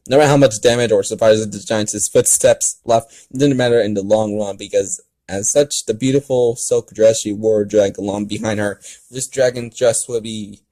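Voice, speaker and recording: A man with a lowish voice reads a story aloud as an amateur. His delivery is halting and stumbles over words. He talks in a casual, unpolished way, like someone commenting as he reads. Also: warm tone. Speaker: fan fiction reader and commentator.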